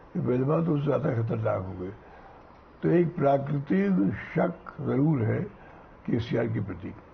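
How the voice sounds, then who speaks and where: Pitch swings very widely across long, frequent pauses, with audible room echo. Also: man, medium pitch for a man. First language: Telugu (speaking Hindi). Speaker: senior journalist. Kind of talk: interview.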